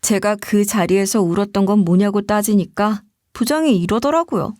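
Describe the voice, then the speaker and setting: A woman reading a first-person story aloud in a scripted, expressive storytelling style on a close mic. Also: mid-range voice, moderate pace, dry recording. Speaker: story narrator.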